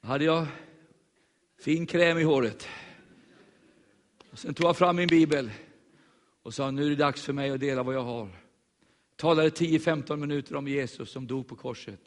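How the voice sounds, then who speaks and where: A man preaching, telling a lively story and acting out the voices of the people in it. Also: a little high, pauses often, in a large hall. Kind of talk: sermon storytelling.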